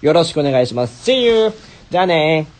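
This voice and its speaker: A man's voice: fairly high pitch, sing-song, a little fast. A man in his twenties, a Japanese speaker with a Kansai accent, chatting casually on a livestream as he reads out comments and slips in simple English phrases. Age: 20s. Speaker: stage actor hosting a livestream. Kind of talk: casual livestream chat, reading out viewer comments. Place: small indoor bedroom or hotel room. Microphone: phone held close while lying on a bed.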